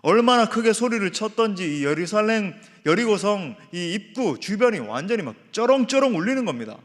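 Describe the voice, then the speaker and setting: A man, a senior pastor, preaching a sermon emphatically, often asking the congregation rhetorical questions. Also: sits high. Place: church sanctuary. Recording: reverberant church hall.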